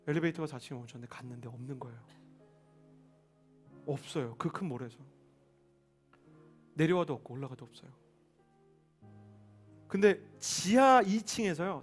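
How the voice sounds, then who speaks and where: A young male pastor preaching at a church service, slightly high-voiced, telling a personal story with lively shifts between hushed and loud moments. He acts out the people in the story as he goes. Soft instrumental music plays faintly underneath. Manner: animated storytelling, acting out quoted voices.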